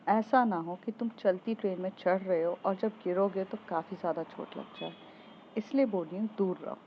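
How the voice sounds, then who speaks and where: A woman's voice: medium pitch, normal speed, dull audio, slight background noise, lightly acted. A woman reading as Krisha, a protective young woman. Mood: stern warning.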